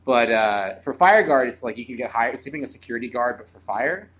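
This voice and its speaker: Fast-talking young man rambling. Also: mid-range voice, animated, fairly bright tone. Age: 20s. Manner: rambling, talks fast with many fillers. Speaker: comedian. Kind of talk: casual chat. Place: bar.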